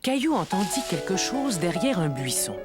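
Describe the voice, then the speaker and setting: A woman playing a gentle storybook narrator for a children's cartoon, telling the story expressively. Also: on the low side, very animated, normal speed, loud music behind the voice. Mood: storytelling.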